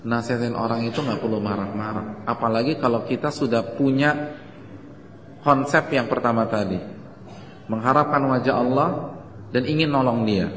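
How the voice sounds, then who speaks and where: A man's voice: medium pitch, fairly even intonation, normal speed. A man preaching a sermon in a conversational way, putting questions to his audience. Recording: echoey hall with faint noise.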